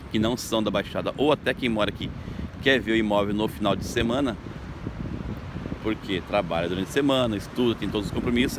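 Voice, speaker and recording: A chatty man talks straight to his viewers in an upbeat, casual way, his voice sitting a little low. He is recorded outdoors on a phone by a seaside boardwalk, and passing traffic and street noise come through clearly behind him. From Brazil. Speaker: local tour guide vlogger. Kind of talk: casual vlog narration. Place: beach boardwalk outdoors at sunrise.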